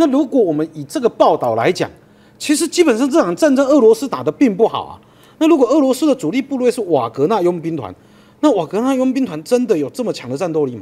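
Very fast speech in a dark, mellow tone swings very widely in pitch. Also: man, high pitch for a man. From Taiwan. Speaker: talk show host. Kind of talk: political talk show. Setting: studio. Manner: animated. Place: studio.

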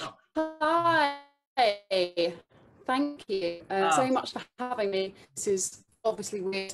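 Over faint music in the background, a woman speaks at a very slow pace with very wide pitch swings. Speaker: poet and performer; poet. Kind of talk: casual talk before a live-streamed reading; casual chat before performance. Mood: cheerful, slightly nervous. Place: home room. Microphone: video call.

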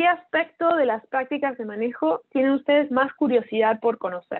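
Speaking in an Argentine accent, a woman uses a high voice with very wide pitch swings. Her pace is moderate and the background is quiet. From Argentina. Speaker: scientist presenting on tree pests; presenter. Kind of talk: webinar presentation. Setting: online webinar. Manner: hesitant fillers (am, eh). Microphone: webcam.

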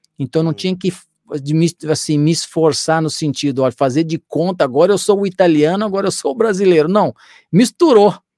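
At a moderate pace, the voice has a dark, mellow tone and ordinary pitch variation, recorded dry with no echo against a quiet background. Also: man. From Brazil. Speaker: missionary pastor. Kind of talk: casual interview. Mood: calm, reflective. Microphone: studio mic.

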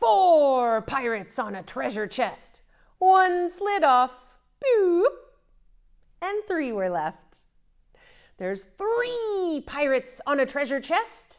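A woman speaks at a very slow pace with a high pitch and very wide pitch swings. Long, frequent pauses break up her speech against a quiet background. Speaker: presenter. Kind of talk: children's storytime reading and rhyme. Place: home room. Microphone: lapel.

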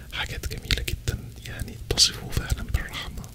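Whispering and soft-spoken at a moderate pace, a man is heard against loud background noise. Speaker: ASMR storyteller. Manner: soft close-mic whisper. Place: home room. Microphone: studio mic.

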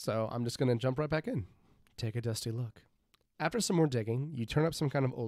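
This is a natural reading voice with ordinary pitch variation, set against a quiet background.

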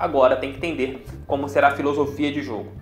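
Faint music sits in the background while a man speaks at a fairly quick pace with audible room echo. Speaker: sports commentator. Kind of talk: commentary. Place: home room. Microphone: lapel.

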